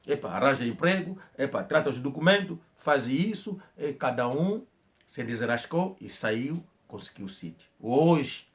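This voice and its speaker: A man's voice: medium pitch, lively intonation, a little slow. A man with an Angolan Portuguese accent giving an emphatic spoken commentary, with coughs and restarts. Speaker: channel host.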